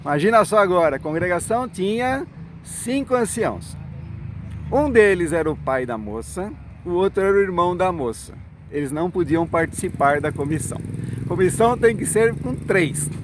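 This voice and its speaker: A man's voice: high voice, expressive, normal speed, background noise. A middle-aged man telling his own story in a monologue. He acts out the quoted dialogue and keeps checking in with "né?" and "certo?". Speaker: former congregation elder telling his story.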